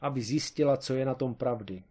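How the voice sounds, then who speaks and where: A man voicing an excitable, scheming amateur detective in a comic storybook reading, with an eager, explaining manner and a raised voice. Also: mid-range voice, lightly acted.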